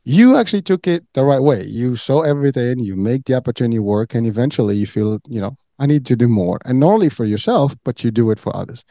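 A man's voice: mid-range voice, expressive, fast talker, hardly any pauses, dark tone, no echo. A man from Morocco hosting a podcast, talking earnestly in a loose way, repeating words and saying "you know" a lot. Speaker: podcast host. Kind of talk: casual interview talk.

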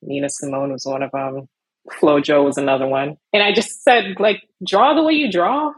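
A young woman from Miami, an illustrator talking casually in an interview, animated with frequent laughs and fillers. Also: low voice, moderate pace, slightly rough, low-quality recording. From Miami, USA. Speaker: illustrator guest.

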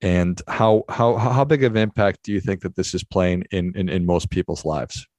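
Upbeat low-voiced male podcast host. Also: normal speed, a little mellow, no room sound. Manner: upbeat, repeats words when thinking. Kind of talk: interview hosting.

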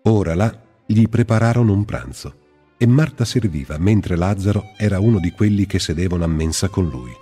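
A man reading the Bible aloud as scripted narration, in a slow and measured way. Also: sits low, dark tone, breathy edge, faint music behind. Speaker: Bible reader. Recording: long hall reverb.

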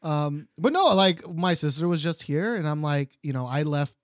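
A man co-hosting a podcast in casual chat, animated and jokey, laughing often. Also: on the high side, moderate pace, no echo, clean studio sound. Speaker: podcast co-host. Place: Seoul, South Korea.

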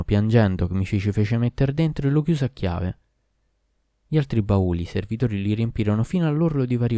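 A man narrates a tale in the first person with a steady, measured delivery. His voice is low and mellow, recorded close and dry. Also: no echo.

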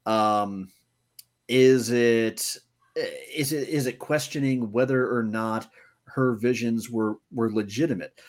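A man co-hosting a movie review podcast, talking casually and deliberately, often restarting his sentences. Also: mid-range voice, steady tone. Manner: deliberate, pausing with repeated restarts.

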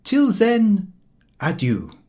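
A man voicing an overly polite young gentleman who speaks in stiff phrasebook courtesies. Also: high voice, huge pitch swings, extremely slow, voice pushed up, exaggerated voice. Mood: courtly.

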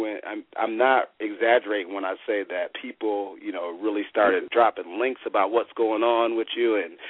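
A man's voice: fairly low pitch, no echo, narrow, tinny audio. A man hosting a radio interview who asks eager, rambling questions. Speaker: radio host.

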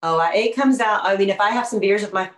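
A woman's voice: mid-range voice, fast. Laughing woman on a roomy call. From Houston, Texas. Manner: laughs easily, friendly. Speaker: guest, actress and author. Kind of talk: casual interview chat. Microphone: video call.

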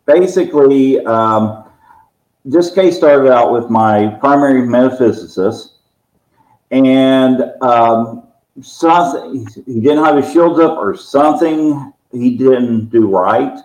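A man who heads a paranormal investigation team, explaining a case calmly and steadily at a medium pitch. His voice comes through an echoey room, giving it a roomy ring. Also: slow pace. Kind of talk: casual podcast conversation.

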